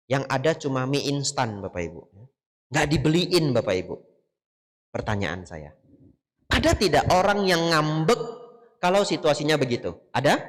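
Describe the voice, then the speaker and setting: A man's voice: mid-range voice, fairly bright tone. A man, a Buddhist monk, giving a Dhamma talk and keeps asking the audience questions and addressing them directly. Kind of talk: sermon to a live audience. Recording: long reverb of a large hall.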